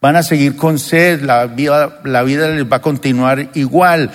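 A man's voice: medium pitch, unhurried. A male pastor preaching with emphasis, asking his congregation question after question. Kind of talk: sermon. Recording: long reverb of a church hall.

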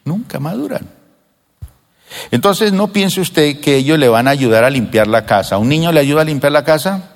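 Older preacher with lively, swooping delivery. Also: male voice, a little high, a little fast. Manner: animated preaching, acts out children's voices. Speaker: pastor. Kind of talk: sermon. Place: church sanctuary. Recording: long reverb of a church hall.

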